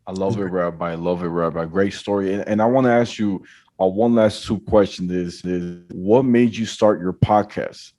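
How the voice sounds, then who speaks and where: A man's voice: deep voice, moderate pace, warm tone. A man hosting a podcast, asking questions in a friendly, enthusiastic way. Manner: enthusiastic, repeats his praise. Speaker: podcast host. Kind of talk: casual interview questions.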